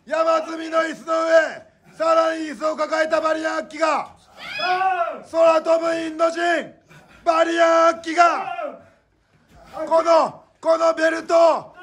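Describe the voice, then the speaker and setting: A man calling pro wrestling live in breathless, rising bursts like goal commentary, shouting and repeating his phrases. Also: extremely high pitch. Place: small indoor wrestling room. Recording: noisy small room with crowd din.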